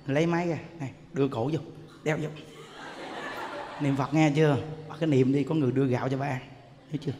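A man, a Buddhist monk preaching and telling stories in an animated way. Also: medium pitch, a little hiss or hum. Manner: animated storytelling, acts out people he quotes. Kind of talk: sermon. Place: temple hall. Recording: long hall reverb, faint ambience.

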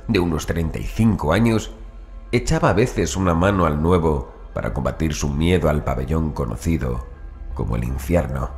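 Horror audiobook narrator: man with a very deep voice, formal measured delivery, over music. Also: gravelly, darkish tone. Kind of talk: scripted horror story narration.

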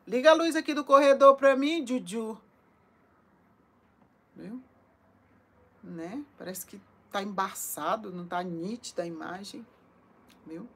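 A woman's voice: mid-range voice, a little hiss or hum. A woman with a Brazilian Portuguese accent preaching on a live stream from her home into a phone, chatty and tagging her lines with little checks to her listeners. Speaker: evangelical preacher. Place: at home, indoors. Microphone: phone held in front of her.

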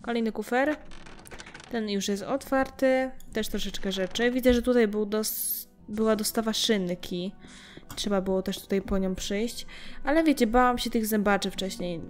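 A young adult woman giving casual let's-play commentary, chatting and muttering to herself as she plays. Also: a little high. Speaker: gameplay streamer. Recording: game music faintly behind.

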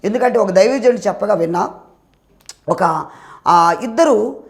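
A man's voice: sits high, animated, measured pace. A male pastor preaching a sermon with fervent, rising appeals to his listeners.

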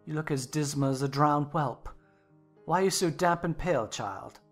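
A man playing a haggard, drowsy master of a house, questioning bluntly and gruffly. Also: on the high side, normal speed, close to an everyday voice. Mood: gruff, puzzled. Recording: music behind the voice.

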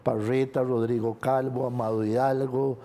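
A man's voice: mid-range voice, level tone, normal speed, mellow. An older Costa Rican man telling his life story as an interview guest, candid and confessional, often laughing through painful memories. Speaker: guest, sports journalist.

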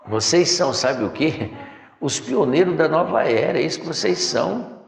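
A man's voice: a little high, big pitch swings, normal speed, gravelly. A middle-aged man giving a spiritual lecture from a chair in a decorated room, preachy, calling listeners "my son", recorded from a far camera. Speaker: spiritual teacher. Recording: echoey room with long reverb.

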